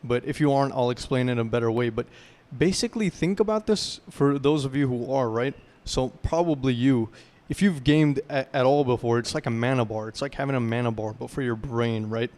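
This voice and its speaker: A man's voice: medium pitch, fairly quick, darkish tone. A young man giving a casual self-improvement talk to camera, loose and rambling, often checking in with "right?" and explaining through gaming comparisons.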